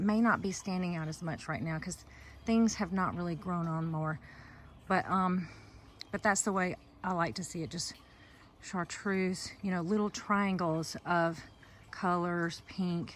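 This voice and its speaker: Someone with a Southern US accent talks at a fairly slow pace, with long, frequent pauses. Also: woman, fairly low pitch for a woman. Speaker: gardening vlogger. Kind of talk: garden tour vlog. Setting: outdoors. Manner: animated.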